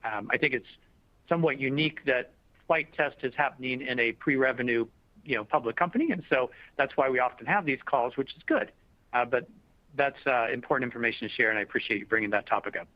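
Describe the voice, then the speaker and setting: Man giving measured executive answers, dull audio. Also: mid-range voice, no room sound. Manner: measured, diplomatic, explanatory. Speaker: company executive answering questions on an earnings call. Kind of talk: semi-formal spoken business answers. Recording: dull lo-fi conference call audio.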